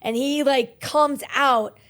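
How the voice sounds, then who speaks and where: Woman co-host just chatting, voice a bit high, plain spoken and emphatic. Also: steady tone, slow, fairly bright tone. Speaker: talk show co-host. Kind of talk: casual chat.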